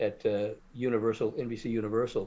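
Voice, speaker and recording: A man's dark, mellow tone moves with fairly even intonation. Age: 70s. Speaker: voice actor and sports venue announcer. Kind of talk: interview.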